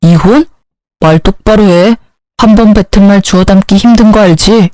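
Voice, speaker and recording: A woman's voice: medium pitch, normal speed, warm tone, no echo, close to an everyday voice. A woman doing a selfish, blaming young husband. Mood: resentful. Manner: indignant, dismissive arguing. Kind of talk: storybook dialogue reading.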